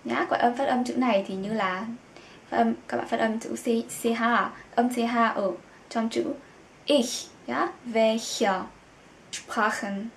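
A young woman teaching German to learners, explaining things and repeating each word slowly. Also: on the high side, fairly even intonation, vocal fry. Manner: explains in Vietnamese, says German words slowly and repeats them. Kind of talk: language lesson for Vietnamese learners. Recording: echoey room with faint background noise.

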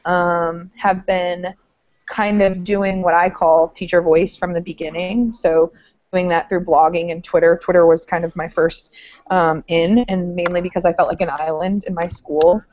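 A woman's voice: on the low side, flat delivery, normal speed, darkish tone, highs cut off. A young woman teacher on a video call, talking eagerly with many filler words from a small room with bookshelves, through an earphone headset. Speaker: social studies teacher.

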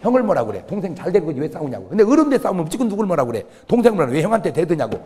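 A man's voice: on the high side, very fast. A male pastor delivering a humorous revival sermon, telling stories and acting out the quotes. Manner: lively storytelling with acted-out quotes. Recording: long reverb of a church hall.

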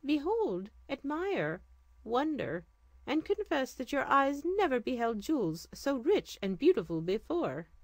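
A woman's voice: high voice, very animated, unhurried, dry recording, pitched above the performer's own voice, exaggerated voice. A woman voicing a grand, commanding male sultan in a regal, declaiming manner. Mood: delighted.

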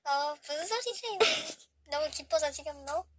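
A woman's voice: sits high, animated, moderate pace. A teenage girl chatting casually as a friend on a speakerphone call. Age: teens, about sixteen. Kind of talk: casual phone chat. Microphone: phone on speaker, picked up by the camera.

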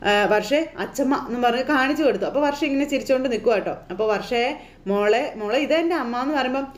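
Lively woman retelling a serial episode. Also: a little high, fast talker. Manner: lively, conversational. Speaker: storyteller. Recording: roomy echo.

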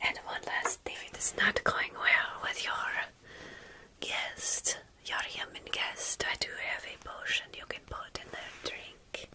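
A woman in her thirties playing a motherly, protective vampire mentor in a soothing, breathy whispered ASMR roleplay, with formal phrasing. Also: unhurried, pushed and bright. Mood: calm, instructive.

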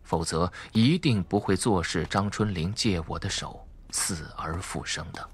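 A cool young schemer in an audiobook thriller, acted by a male narrator. He speaks low, with understated, teasing insolence and unhurried confidence. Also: husky. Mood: cool, confident.

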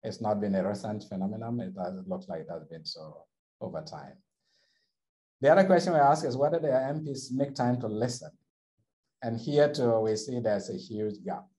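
A man with a low, mellow voice walks through survey results on slides, speaking in a measured, explanatory way. He restarts phrases often as he talks over the charts on a video call. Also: animated, low-quality recording. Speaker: survey researcher presenting findings. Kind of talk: presenting slides on a webinar.

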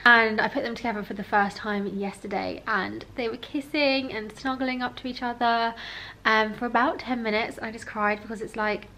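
A young British woman chatting casually to camera at home in a relaxed, gushing way as a lifestyle vlogger. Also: on the high side, moderate pace, slight background noise. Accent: British English. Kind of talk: casual vlog chat to camera. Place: at home in an apartment.

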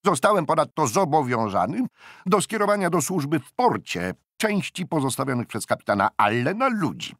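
A man doing a loud, scolding naval commander. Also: on the high side, sing-song, moderate pace, no room sound, clean studio sound, voice pushed up, full character voice. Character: gruff, short-tempered naval commander, older man. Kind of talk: audiobook character voice.

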